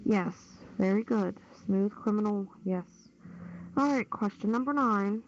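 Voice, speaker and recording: Woman quiz host, quick, muffled noisy line. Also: mid-range voice. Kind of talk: reading trivia questions, casual online game. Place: online push-to-talk voice chat. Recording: dull lo-fi voice-chat audio, noisy, clicks.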